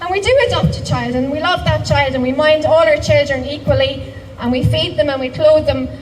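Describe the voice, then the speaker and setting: A woman's voice: high-pitched, brisk, distant mic, noisy background. A woman giving an impassioned protest speech in a town square, putting rhetorical questions to the crowd. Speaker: rally speaker.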